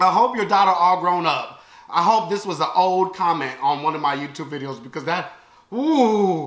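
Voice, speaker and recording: In a room with audible echo, a man uses a raised, projected voice at a moderate pace. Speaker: food reaction vlogger. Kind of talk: casual vlog chat. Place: home room. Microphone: camera far.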